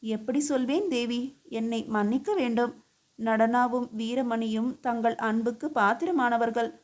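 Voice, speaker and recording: Woman voicing a sly jealous maidservant, taunting tone, higher voice, storybook reading. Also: measured pace, a little mellow, close to an everyday voice. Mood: pleading. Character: scheming jealous young maidservant, sly and mocking.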